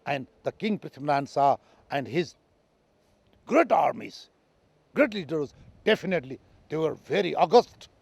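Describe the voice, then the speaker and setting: A man from Nepal with a Nepali accent gives a history lecture in halting, non-native English, proud and emphatic. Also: a little high, expressive, gravelly, breathy edge, no echo, muffled recording. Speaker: speaker on military history. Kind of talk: lecture on history, addressed to listeners.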